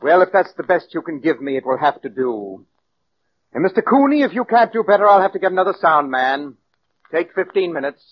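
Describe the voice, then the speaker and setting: A cold sarcastic radio director. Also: male voice, on the high side, very animated, brisk. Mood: cutting. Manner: cold, condescending, cutting. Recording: dull old radio broadcast with hiss.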